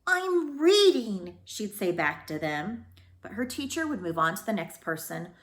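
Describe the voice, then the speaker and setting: A woman speaking as a school librarian who reads storybooks aloud to children in an expressive way. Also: on the low side, moderate pace, roomy sound. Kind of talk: storybook read-aloud with informal introduction.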